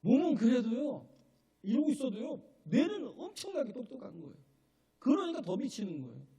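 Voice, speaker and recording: A male pastor preaching a sermon in a church, emphatic, often checking in with the congregation, building to shouted and tearful peaks. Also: very high-pitched, very animated, a little fast, gravelly, breathy edge. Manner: emphatic, keeps asking the congregation "예?". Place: church sanctuary.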